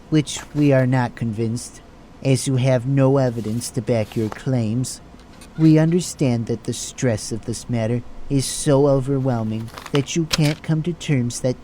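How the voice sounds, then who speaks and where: Stern, mellow hospital chief, acted by a man. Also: mid-range voice, steady tone, a little hiss or hum, natural voice, low-quality recording. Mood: stern, dismissive. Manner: formal, measured, stern. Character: stern, condescending male hospital chief of staff. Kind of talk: audio drama acting.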